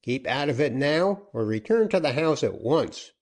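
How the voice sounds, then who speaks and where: A man voicing a commanding outlaw captain in a storybook reading, loud and forceful. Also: on the high side, animated, normal speed, voice pushed up, natural voice.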